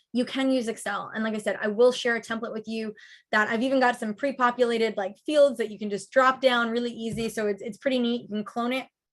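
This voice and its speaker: A woman talks at a very fast pace in a fairly high voice. Her intonation stays monotone and flat. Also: hardly any pauses. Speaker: customer success executive presenting a webinar. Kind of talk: webinar presentation. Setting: online webinar.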